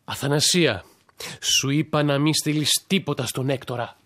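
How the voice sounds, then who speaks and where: An actor playing a stubborn, grieving middle-aged father who speaks curtly and gruffly in a radio drama. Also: fairly high pitch, fairly even intonation, a bit bright, natural voice.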